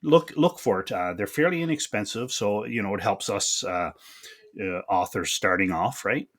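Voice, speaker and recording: A man's voice: fairly low pitch, expressive, normal speed, a bit bright. A man hosting a podcast, chatting casually and chummily with his guest. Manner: chummy, calls guest buddy and sir. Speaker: podcast host. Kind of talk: casual interview chat.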